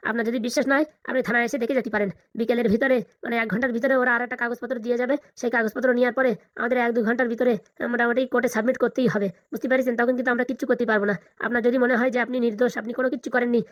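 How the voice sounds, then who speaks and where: A woman's voice: a little high, steady tone, racing, no echo, lightly acted. A woman voicing a deferential, hesitant junior police officer in a comedy cartoon, with a Bengali accent. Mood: urging, puzzled. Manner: hesitant, polite, rambling.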